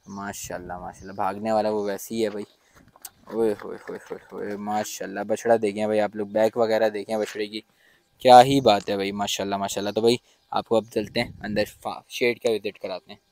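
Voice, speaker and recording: A man's voice: on the low side, little pitch movement, a little fast, darkish tone, dry recording. A young man hosting a vlog, enthusiastically showing off cattle on an outdoor farm and speaking into a handheld mic. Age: young adult. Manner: enthusiastic, repeats blessings. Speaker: vlogger host. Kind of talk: casual farm tour and interview.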